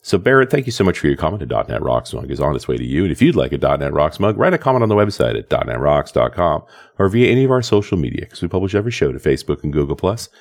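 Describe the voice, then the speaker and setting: A man's voice: a bass voice, big pitch swings, rapid-fire. A man co-hosting a podcast in a casual, thoughtful chat, reading listener comments and musing on communication. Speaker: podcast co-host.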